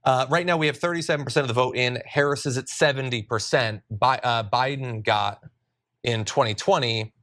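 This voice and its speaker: A man's voice: medium pitch, brisk, a bit bright. A man analyzing election returns on a live broadcast. He talks carefully, hedges, and cites lots of numbers. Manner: careful, hedging, full of numbers. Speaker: data analyst on the panel. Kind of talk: live election night commentary.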